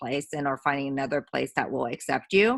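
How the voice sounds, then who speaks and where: Against a quiet background, a woman with a Southern Californian accent speaks in a warm tone with ordinary pitch variation. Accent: Valley Girl. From US West Coast, Sacramento. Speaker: tech executive and investor. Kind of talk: panel Q&A talk. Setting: video call. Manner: warm, upspeak-like intonation; casual, many filler words.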